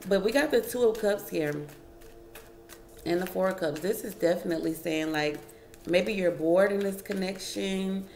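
Chatty tarot-reading woman, gravelly voice. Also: medium pitch, moderate pace, a little mellow, echoey room, slight background noise. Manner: chatty, addresses viewers as y'all, muses over cards aloud. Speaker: tarot reader. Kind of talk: casual tarot reading to camera. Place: home, at a wooden table.

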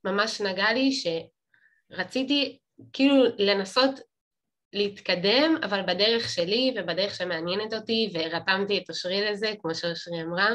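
A woman's voice: medium pitch, fairly bright tone. A woman in her twenties speaking earnestly on a video call, leaning heavily on fillers. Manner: earnest, heavy use of fillers. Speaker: student initiative co-founder. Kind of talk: casual video call chat. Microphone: laptop webcam on a video call.

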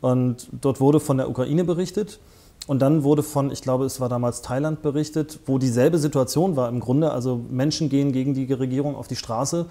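The festival founder, a northern German in his forties, sits for a conversational interview as a guest on a small armchair studio set, miked with a lapel mic. He talks at normal speed in a steady, mellow mid-range voice, but stumbles hesitantly through many fillers and restarts.

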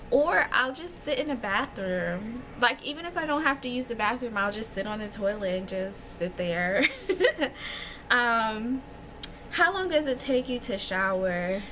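A vlogger in her thirties chats casually to camera in a small room at home with shelves, giggling and rambling through a list of personal tag questions with lots of fillers. Her voice is fairly high and a bit bright, with slight background noise.

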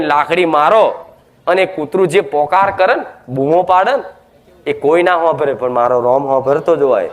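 High-voiced man preaching a scolding sermon. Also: a bit bright. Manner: scolding, preachy, rhetorical questions. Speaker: preacher at a goddess shrine. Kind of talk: devotional sermon.

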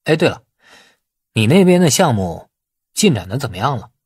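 Husky, blunt male boss, acted by a man. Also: medium pitch, very animated, moderate pace, a little mellow. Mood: casual. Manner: blunt, colloquial. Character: blunt, shrewd, grumbling male boss in a novel.

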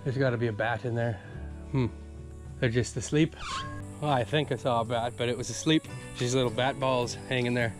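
A man narrating his own jungle hike for a travel vlog, chatty and full of dry jokes as he talks to himself. His voice sits at an ordinary middle pitch. It is picked up outdoors on a handheld camera with faint music under it. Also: steady tone, normal speed. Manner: joking, chatty, talks to himself while hiking. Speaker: travel vlogger. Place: outdoors in rainforest on a hiking trail.

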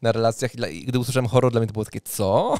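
A man in his thirties hosting a casual podcast, speaking haltingly into a close studio mic. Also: mid-range voice, darkish tone, dry recording. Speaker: podcast host. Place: indoor home studio room. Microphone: close studio mic on arm.

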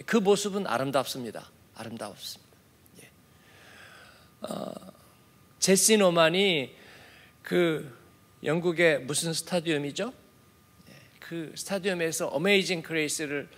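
Animated male pastor preaching. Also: sits high. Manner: conversational, frequent affirming "예" fillers; swings from soft asides to emphatic preaching. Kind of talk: early-morning sermon. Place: church.

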